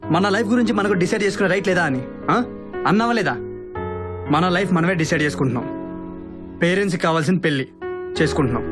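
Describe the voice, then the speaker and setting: Guy acting a young groom, coaxing and teasing, highish voice, movie scene with music behind it. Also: lightly acted. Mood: insistent. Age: young adult. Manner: emphatic, coaxing, full of rhetorical questions. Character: persuasive, teasing young groom scheming a sham marriage. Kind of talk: film dialogue, Telugu mixed with English. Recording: film soundtrack with loud background music.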